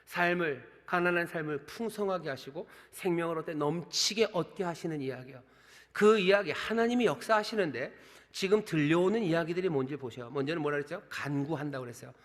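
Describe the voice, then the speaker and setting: A man preaching a sermon as pastor, with earnest appeals, quiet asides and quoted lines acted in everyday tones. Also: on the high side, brisk. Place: large church sanctuary. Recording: long reverb of a large sanctuary.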